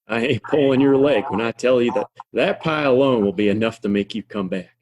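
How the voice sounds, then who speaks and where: A man's voice: mid-range voice, moderate pace, a little mellow, lightly acted. An American actor playing a kindly, wry frontier townsman in a Western audio play, with a folksy, plainspoken, reassuring drawl. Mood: warm, practical.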